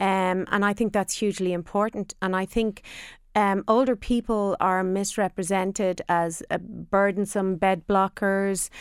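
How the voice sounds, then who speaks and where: In an Irish accent, a woman speaks fairly slowly in a monotone, flat delivery at very even loudness, on a very clean recording with a silent background. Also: medium pitch for a woman, dry, close sound with no echo. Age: 50s. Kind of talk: radio interview.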